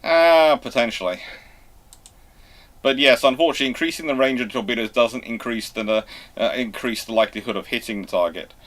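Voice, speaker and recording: Man explaining in halting, emphatic bursts. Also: mid-range voice, a bit bright. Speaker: host answering viewer questions. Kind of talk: live question-and-answer talk on naval history.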